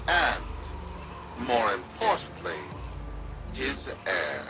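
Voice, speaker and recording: An actor playing a pompous, self-aggrandizing corporate demagogue, giving a theatrical speech full of oily false humility in a video game. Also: male voice, medium pitch, wildly swooping pitch, extremely slow, noisy background, heavily acted. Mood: grandiose, triumphant. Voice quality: theatrical swooping delivery. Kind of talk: theatrical broadcast speech to followers. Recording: loud music behind. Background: loud music.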